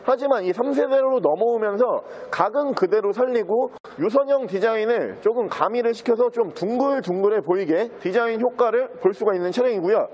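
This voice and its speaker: A man giving a used car sales walkaround in smooth, practised salesman patter. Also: very high-pitched, a little mellow, highs cut off. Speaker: used car dealer presenting a car.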